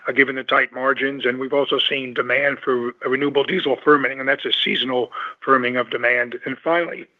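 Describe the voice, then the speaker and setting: A man, a company executive who is losing his voice, giving careful answers on a conference call and clearing his throat. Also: medium pitch. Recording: tinny phone line.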